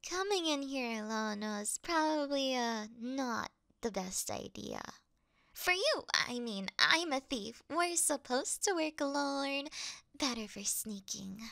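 A woman's voice: high-pitched, vocal fry, fairly bright tone, dry recording, clean studio sound, full character voice. A woman playing a clumsy, cute young thief in an ASMR roleplay, stammering and acting tougher than she is while easily frightened. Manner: stammering, flustered, falsely tough.

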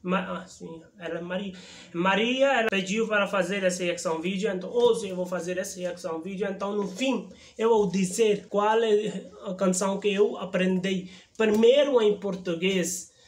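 A man in his thirties from India with an Indian accent, hosting a casual reaction video from a room indoors with a lapel mic, speaking halting learner Portuguese in a chatty, excitable way. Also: sits high. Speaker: YouTube reaction host. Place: indoor room in front of a wooden backdrop. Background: music playing from the reacted video.

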